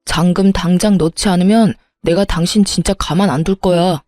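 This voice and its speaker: A woman voicing a young husband who begs, then shouts and threatens, in a narrated story. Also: on the low side, steady tone, moderate pace, no echo, studio quality, soft background music, natural voice. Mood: angry. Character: pleading, hot-tempered young husband. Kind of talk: storybook narration with acted dialogue.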